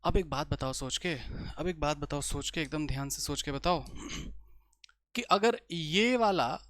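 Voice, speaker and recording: A young man teaching biology in a lecture, often pausing to check the class follows. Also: on the high side, fairly bright tone, no room sound, studio quality. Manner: slow explaining, many rhetorical checks. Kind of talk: online exam-prep lecture.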